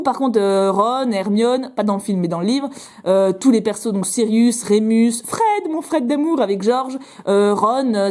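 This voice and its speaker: A woman's voice: on the high side, warm tone. A young woman chatting casually to camera as she opens her fan mail, bubbly and playful, with lots of little fillers and repeats. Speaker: YouTuber opening fan mail.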